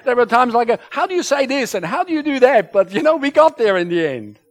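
A man whose first language is German, preaching a sermon to a congregation, his voice rising loud when he quotes scripture. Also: extremely high pitch, big pitch swings, brisk. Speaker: pastor. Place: church.

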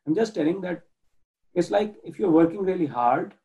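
A man from Pakistan talking earnestly about his nonprofit work as a guest on a video call, halting often with restarts and fillers. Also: high voice, expressive, mellow, poor audio. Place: home in Germany.

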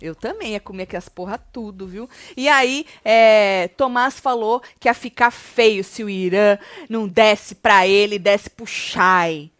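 A woman's voice: medium pitch, measured pace, hardly any pauses, dry recording, studio quality. A woman hosting a casual live chat about a reality show, gossiping bluntly, swearing freely and talking straight to her viewers. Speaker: reality show commentator reading viewer comments.

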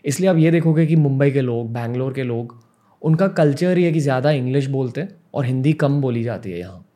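A man's voice: medium pitch, lively intonation, fairly quick, mellow. A young man from Mumbai, a podcast host, telling a personal story in an earnest, reflective way and mixing in English words. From Mumbai, India.

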